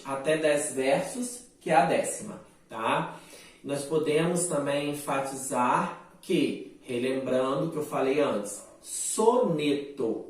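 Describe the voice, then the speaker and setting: A man with a Brazilian Portuguese accent, teaching a literature lesson in a slow, explanatory way and often checking in with "né" and "tá". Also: on the high side, a little mellow, distant mic. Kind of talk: recorded online class lecture. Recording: roomy echo, voice set back from the mic.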